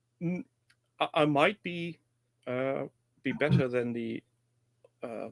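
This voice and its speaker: A man's very slow voice, fairly high in pitch, with ordinary pitch variation, long and frequent pauses, and a dry, close sound with no echo. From Germany. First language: German. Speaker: hobby YouTuber. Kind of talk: casual chat. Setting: video call. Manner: halting.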